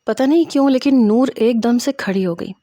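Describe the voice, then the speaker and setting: A young woman reading a first-person romantic story aloud in a steady, plain voice. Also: a little high, no echo, studio quality.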